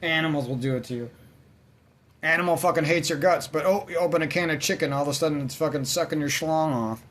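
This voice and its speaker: A man's voice: on the high side, fast talker, fairly bright tone. A man ranting in casual let's-play commentary, rambling and swearing constantly as he vents. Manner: rambling, profane, venting. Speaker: gaming channel host.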